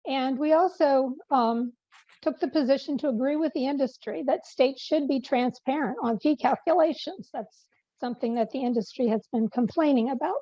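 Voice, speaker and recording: A high, mellow-voiced woman briefs a meeting over a video call, her voice wearing thin. She stops on fillers and restarts her sentences. The sound is dry and dull, like lo-fi call audio. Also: moderate pace, dry recording. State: losing her voice. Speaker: policy presenter. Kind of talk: online meeting update.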